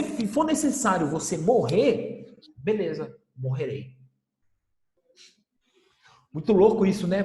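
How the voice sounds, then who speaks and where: A man's voice: a little high, dark tone. Emphatic male teacher, echoey room. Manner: emphatic, rhetorical questions and repetition. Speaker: history teacher. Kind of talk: recorded class lecture. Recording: echoey room with long reverb.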